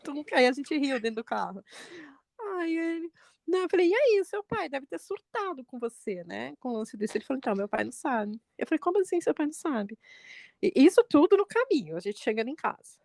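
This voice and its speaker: A woman in her forties, a mother co-hosting a podcast, telling a family story in lively chat and jumping up in pitch when she quotes people. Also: brisk, creaky, no echo, clean studio sound. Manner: animated retelling, quotes her son with pitch jumps.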